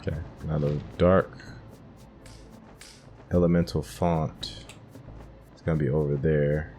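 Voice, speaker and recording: A man's voice: extremely low pitch, level tone, takes it slowly, mellow, a little hiss or hum. A man giving casual gameplay commentary, thinking aloud as he plays. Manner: thinks aloud, musing to himself. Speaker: gaming host narrating a playthrough.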